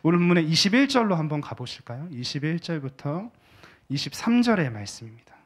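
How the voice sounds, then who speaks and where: A male pastor preaching a sermon in a church. He speaks in a conversational way, asks the congregation questions and drops to a hushed voice for emphasis. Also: fairly high pitch, sing-song, a little fast. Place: church sanctuary.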